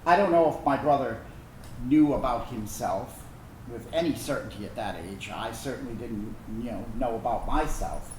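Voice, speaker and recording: A man acting in a staged reading as a reflective, wounded but tender gay son of a military family, telling a personal story earnestly and haltingly. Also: mid-range voice, lightly acted. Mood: subdued. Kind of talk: dramatic monologue reading of a personal narrative. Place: indoor room, staged reading. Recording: echoey room, distant mic, background noise.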